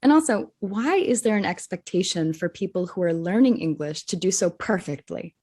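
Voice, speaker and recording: A woman co-hosting a podcast for English teachers speaks with a Rhode Island accent. She is earnest and reflective and poses rhetorical questions, her voice a touch low. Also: expressive, normal speed, a little mellow. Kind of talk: scripted podcast discussion.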